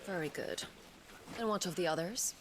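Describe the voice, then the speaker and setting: A cold noblewoman played by a woman gives commands in a low, clipped voice. She is haughty and disdainful, a villain of a fantasy game. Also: moderate pace, background noise, lightly acted. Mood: cool, commanding. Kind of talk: fantasy video game voice acting.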